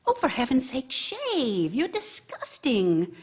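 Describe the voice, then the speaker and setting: A woman's voice: high voice, huge pitch swings, takes it slowly, a little mellow, husky, heavily acted. An actress playing a bitter, nagging working wife who scolds her idle husband with scorn and sarcasm in a radio drama monologue. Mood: nagging, disgusted.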